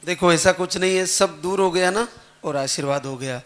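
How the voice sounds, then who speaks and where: High-voiced man hosting a devotional show. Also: normal speed, fairly bright tone. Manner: congratulatory, asks short leading questions. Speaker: host of a devotional program. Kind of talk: questioning guests, announcing blessings.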